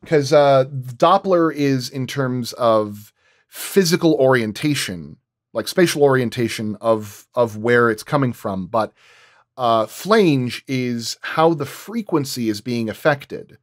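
A man with a mid-pitched voice chats casually as a sound designer guest. He explains step by step, haltingly, working out his examples as he speaks. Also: animated. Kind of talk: casual roundtable talk.

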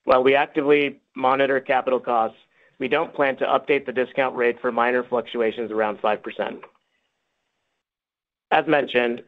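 A man reads a scripted financial report as a company executive. His pitch is medium, and the sound is narrow and phone-like, as on a conference call. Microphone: conference call line.

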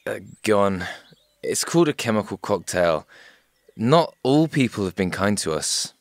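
Man as a forlorn, animated cartoon swan. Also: on the low side, moderate pace, no echo, clean studio sound. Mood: mournful. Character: forlorn, polite male swan in distress. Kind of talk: comedy cartoon voice acting.

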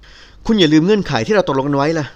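A man voicing a calm, gently teasing young man who speaks softly and evenly in an audiobook. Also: fairly high pitch, lightly acted. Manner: soft, even and unhurried. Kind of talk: audiobook character voice.

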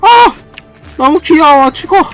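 A man with a high, bright voice calls out his game run, swooping up and down with playful energy and sudden shouts. His tone is sharp and forward, and faint game music hums behind him. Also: expressive, slow pace. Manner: playful, bursts into shouts, slangy quips. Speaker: game streamer. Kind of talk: excitable let's-play commentary.

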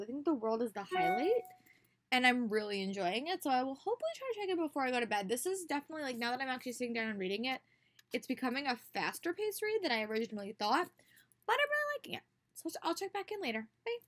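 Slightly hoarse from a cold, a young woman who is a teacher and book vlogger talks chattily in a reading vlog, with many fillers and restarts. Her voice sits high, sing-song, at a quick pace. She's recorded close up on a laptop webcam in a small bedroom full of bookshelves and posters.

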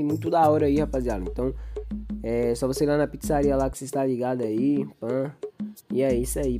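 A young Brazilian man with a Brazilian Portuguese accent casually narrating his gameplay, rambling in street slang and hyping up his viewers. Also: mid-range voice. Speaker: gaming YouTuber. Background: game music.

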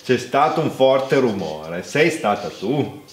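A man in his thirties speaks slowly with very lively intonation in casual, playful talk. His medium-pitched voice sits in an echoey home room. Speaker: guest in a lip-reading game. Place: home living room with staircase, indoors. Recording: echoey room with background noise.

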